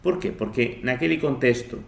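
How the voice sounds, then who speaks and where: A man delivers an explanatory lecture in an echoing room. His voice sits at a middling pitch with a gravelly, creaky edge. He teaches didactically, putting rhetorical questions to his listeners. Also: normal speed. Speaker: language lecturer. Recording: roomy, echoing room sound.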